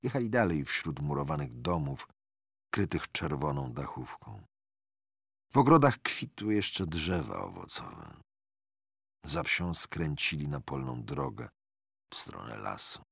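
A man narrating an audiobook in a slow, expressive storytelling manner. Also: rumbling low, creaky, breathy edge, no echo, studio quality. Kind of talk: scripted narration.

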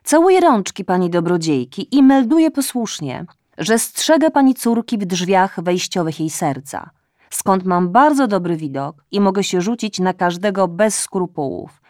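A woman's voice: medium pitch, expressive, moderate pace, darkish tone, no room sound, studio quality, natural voice. Woman playing a fawning courtly tomcat. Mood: devoted. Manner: ceremonious and fawning. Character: male cat, courtly, servile, protective of his owner.

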